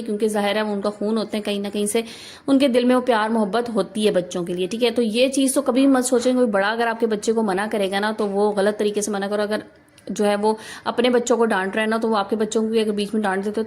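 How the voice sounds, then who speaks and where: A Pakistani woman in her thirties talks straight to her viewers in a home vlog, with a Pakistani Urdu accent. Her voice sits at an ordinary middle pitch for a woman. She gives earnest, instructive advice and keeps checking in with the listener as she goes. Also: darkish tone. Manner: earnest, instructive, addresses viewers directly with frequent rhetorical "na". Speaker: housewife vlogger. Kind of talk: advice talk to camera.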